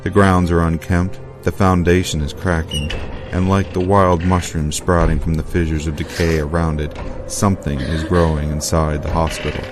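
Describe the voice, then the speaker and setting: A man narrates a horror book trailer, grave and dramatic. His voice is extremely deep. Music sits clearly beneath him. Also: flat delivery, moderate pace. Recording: music bed behind.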